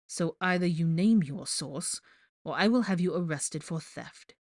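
A woman voicing an angry young man in an audiobook story, speaking in a cold, measured, threatening way. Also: deep voice, dry recording, clean studio sound, lightly acted. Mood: controlled threat.

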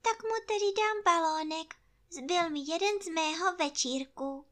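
A woman voicing a tiny, timid young piglet with a squeaky, earnest little voice in a storybook reading. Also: a bit bright.

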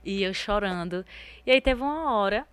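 A woman from Northeast Brazil, a singer guest telling stories in a lively, expressive casual interview. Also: medium pitch, normal speed, clean tone, no room sound.

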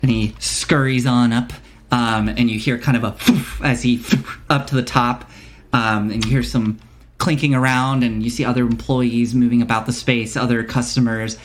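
A man running a tabletop game as game master, narrating in a relaxed way with lots of fillers. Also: mid-range voice, normal speed, slight background noise.

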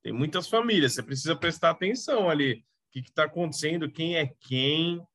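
Speaking with a Brazilian Portuguese accent, this man co-hosts a podcast and chats casually while reviewing a TV series episode, coughing now and then. His voice sits on the high side and sounds animated and a bit bright. He talks fairly quickly, and the recording has no echo.

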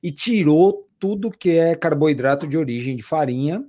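A man talking in a relaxed, chatty way, repeating words for emphasis. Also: on the high side, normal speed. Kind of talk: casual chat.

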